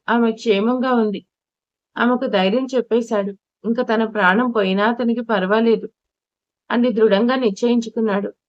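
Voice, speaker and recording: Fairly high-voiced woman narrating a story. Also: dry recording. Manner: emotive reading with small self-corrections. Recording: dull lo-fi recording.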